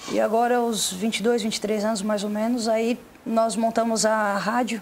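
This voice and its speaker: At a moderate pace, a woman speaks fairly high in pitch, monotone with flat intonation and very even loudness. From southern Brazil, Santa Catarina. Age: 20s. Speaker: businesswoman, radio station owner. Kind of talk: talk show interview.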